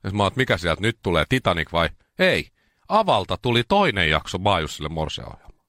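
A male radio host with a low voice that swoops up and down as he tells his stories. He chats casually and animatedly in a dry, close studio sound. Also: no room sound. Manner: animated storytelling, jumps into high voices when quoting.

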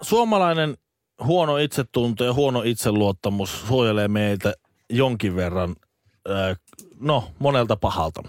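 A Finnish man co-hosting a podcast, chatting in an animated, rambling way with many restarts. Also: mid-range voice, faint music behind. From Finland. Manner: animated, rambling, with false starts. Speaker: podcast co-host. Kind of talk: casual chat.

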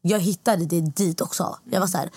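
Animated woman. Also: fairly low pitch, breathy edge, no echo. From Stockholm, Sweden. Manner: animated, acts out quoted lines, drops English phrases. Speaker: guest, former reality show contestant. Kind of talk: casual chat.

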